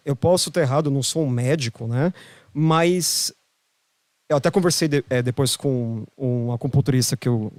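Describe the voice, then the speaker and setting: A man's voice: mid-range voice, no echo. A man with a Brazilian Portuguese accent, a podcast guest telling a story in casual chat, emphatic and repeating phrases for emphasis. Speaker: podcast guest, holistic therapist.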